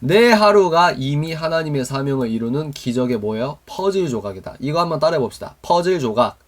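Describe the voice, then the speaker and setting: A man with a slightly high, animated voice speaks briskly while teaching a Christian youth mentoring lesson. He quizzes his listeners with call-and-response questions during a live online stream to viewers.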